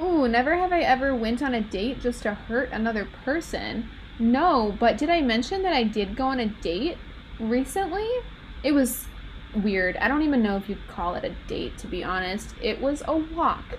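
With an American accent, a woman speaks at a high pitch and moderate pace, her pitch swinging very widely over noticeable background noise. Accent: Minnesota accent, comes out on some words. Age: 20s. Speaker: dating podcast host. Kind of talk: casual solo podcast monologue.

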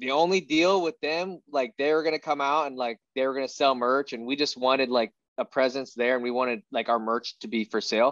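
A man with a Midwestern US accent speaks at a fairly quick pace, barely pausing. His pitch is medium, and the sound is dry and close with no echo. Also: ordinary pitch variation. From Iowa. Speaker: wrestling content creator. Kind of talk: casual interview chat.

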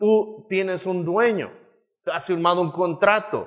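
A man talks at a fairly slow pace. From Mexico, San Luis Potosí. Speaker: pastor. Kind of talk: sermon.

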